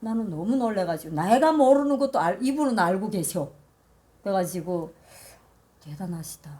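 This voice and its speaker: The tone is dark and mellow, with very wide pitch swings. Long pauses come frequently. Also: woman, medium pitch for a woman, moderate pace. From North Korea, Ryanggang Province. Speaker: North Korean defector, former travel agency worker. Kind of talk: interview chat.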